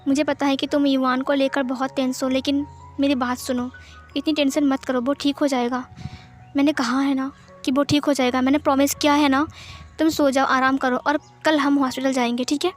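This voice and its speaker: A woman's voice: high-pitched, little pitch movement, brisk, soft background music, lightly acted. Woman voicing a soothing, remorseful young man. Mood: tender. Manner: soothing, pleading.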